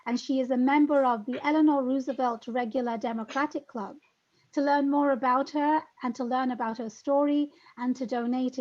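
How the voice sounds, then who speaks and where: A woman hosting an online meet-and-greet, reading an introduction and asking questions with effusive enthusiasm over a video call. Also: high-pitched. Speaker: host. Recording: muffled lo-fi audio.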